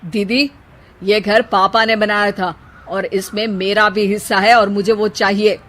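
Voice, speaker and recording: A woman's voice: mid-range voice, fairly even intonation, unhurried, fairly bright tone, close to an everyday voice. A woman voicing an earnest young brother. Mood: angry. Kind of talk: storybook character voice.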